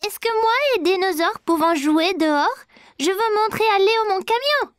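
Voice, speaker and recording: Cartoon little boy: tiny high voice, unhurried, excitable and impatient, close dry sound with light music. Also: no room sound. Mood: hopeful. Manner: childlike, drawn-out, expressive delivery. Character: excitable, impatient four-year-old boy. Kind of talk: children's cartoon dub.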